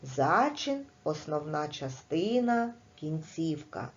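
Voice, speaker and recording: A woman teaching a primary school class in a recorded video lesson, explaining slowly and clearly with patience. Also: deep voice, very animated, dull audio, slight background noise.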